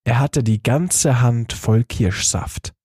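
A calm, measured man reads a short story aloud at an unhurried pace. His voice is husky and the recording is close and dry, with no room around it. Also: medium pitch, no room sound. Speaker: reader. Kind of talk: audiobook reading.

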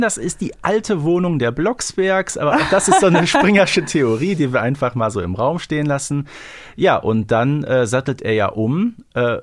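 A man co-hosting a podcast, chatting casually and retelling a story, often ending on tag questions. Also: on the high side. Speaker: podcast co-host.

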